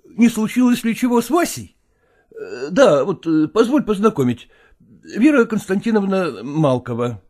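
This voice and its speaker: Brief: male reader as a timid middle-aged man, mumbling, halting, evasive. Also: high-pitched, sing-song, darkish tone, voice pushed up, heavily acted. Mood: flustered. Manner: hesitant, mumbling with "э" fillers. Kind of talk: audiobook reading of a classic novel.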